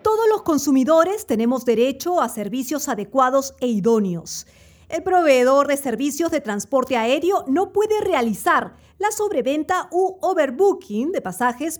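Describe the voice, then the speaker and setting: A woman's voice: sits high, expressive, normal speed. A woman announcer reading scripted public-service narration.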